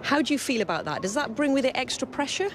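A woman's voice: high-pitched, lively intonation, fast, crowd noise. A woman sports presenter, polished and conversational, leading interviews. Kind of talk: broadcast interviewing.

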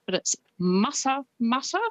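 A woman from Australia with an Australian accent tinged by New Zealand, reporting on radio in a chatty, animated way that breaks into laughs. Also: fairly high pitch, unhurried, no echo. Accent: Australian with some New Zealand influence. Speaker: radio correspondent.

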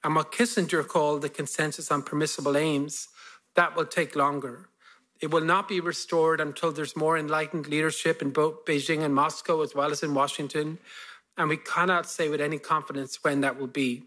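A man around fifty with an Irish accent, giving a measured policy lecture and then answering questions. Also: fairly high pitch, level tone, sharp tone, rough recording. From Ireland. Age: about 50. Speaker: guest speaker, foreign policy expert.

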